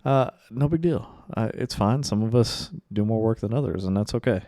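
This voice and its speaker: A man with a raspy, tired baritone, hosting a casual sports podcast in a rambling, joking way. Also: moderate pace, dark tone, no echo, studio quality. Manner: rambling, joking, restarts sentences. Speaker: podcast host.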